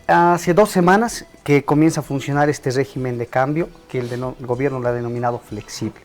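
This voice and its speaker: A man's voice: mid-range voice, soft background music. Man explaining economics as a TV guest. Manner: measured, analytical. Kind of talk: explanatory TV interview.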